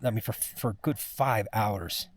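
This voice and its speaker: A man giving a casual first-person vlog monologue, sounding exhausted, with a weary, halting, rambling way of talking. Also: lowish voice. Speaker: mountain climber recording a personal expedition vlog.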